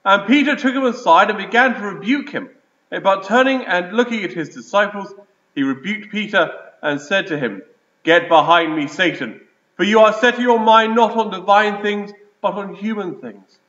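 A man, a priest, reading the gospel and preaching in a measured liturgical way, his voice ringing with the echo of a large church. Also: sits high, lively intonation, fairly bright tone. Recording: echoey church, dull lo-fi sound.

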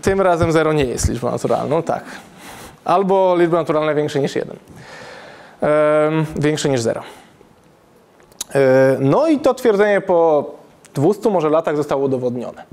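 A man in his thirties giving a public math lecture in a classroom, thinking aloud and often checking the audience with a quick question. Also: on the high side, lively intonation, a little mellow. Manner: thinking aloud, frequent self-corrections and "tak?" checks. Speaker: university lecturer. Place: classroom with chalkboard, indoors.

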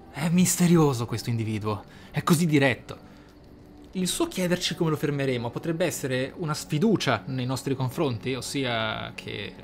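A man hosting a role-playing let's play, musing aloud with theatrical interjections. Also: mid-range voice. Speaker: gamer, let's play host. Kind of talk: role-playing game commentary. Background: game music.

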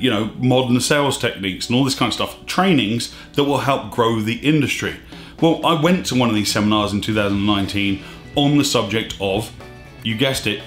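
Gesturing with his hands, an exasperated scuba diving host rants emphatically to camera in a slightly hoarse voice that sits on the low side yet sounds a bit bright. The small studio room echoes, and faint music plays behind this opinionated vlog.

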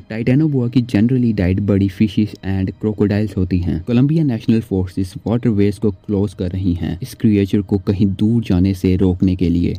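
Indian male narrator, low pitch, very soft dark timbre, scripted explainer delivery, close mic, faint music underneath. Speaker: video narrator. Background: background music.

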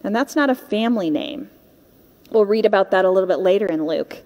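A woman's voice: mid-range voice, expressive, a little fast, a little mellow. Young woman preaching in a reverberant hall. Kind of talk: conversational sermon with scripture reading. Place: indoor stage with curtain backdrop.

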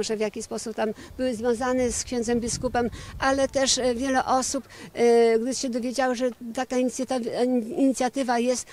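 Middle-aged nun, halting outdoor interview. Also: female voice, fairly high pitch, a little mellow. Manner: halting, many fillers and restarts. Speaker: nun, book organizer. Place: outdoors by a church building. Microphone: handheld reporter mic.

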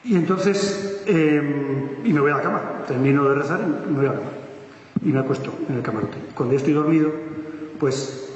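A man with a Spain Spanish accent telling a story lively to an audience, acting out the voices, with many fillers and restarts. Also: on the high side, moderate pace, dull audio. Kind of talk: animated storytelling talk. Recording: echoey hall with faint noise.

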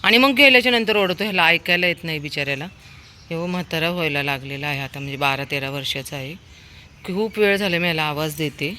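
A woman's voice: sits low, quick pace, pushed and bright, a little hiss or hum. A woman chatting casually outdoors at night, calling out and coaxing street animals with affection. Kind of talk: casual vlog talk.

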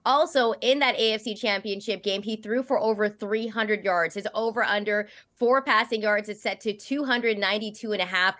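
A woman from Canada in her thirties, reporting on sports and giving betting picks in a brisk, confident, conversational way. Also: mid-range voice, fairly bright tone. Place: home studio and arena sidelines.

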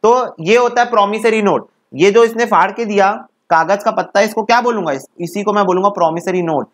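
A man with a brisk, high-sitting voice teaches a law lecture aimed at exam prep. He chops definitions into phrases, has his students say them back, and then asks questions that he answers himself.

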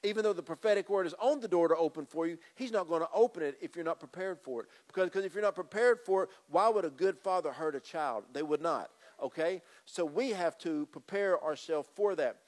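The sermon comes from a middle-aged pastor whose slightly mellow voice sits a little higher than most men's. He speaks fairly quickly, with hardly any pauses, into a handheld mic, emphatically repeating phrases to the congregation as he moves about a church stage with a drum kit.

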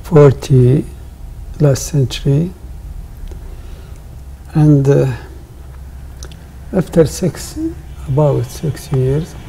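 An older man speaks very slowly in broken English, stopping often to find words. His voice is gravelly, dark and husky. He is miked on a lapel in a studio. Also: medium pitch, a little hiss or hum, low-quality recording. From Iraq. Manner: halting non-native English with frequent pauses. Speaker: guest artist. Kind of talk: interview answers. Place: television studio.

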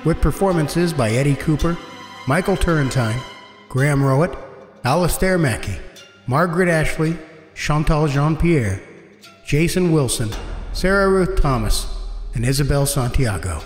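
A man's voice: fairly high pitch, expressive, measured pace. A man presenting a podcast, reading scripted credits and announcements to listeners. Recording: echoey, reverberant, soft music underneath.

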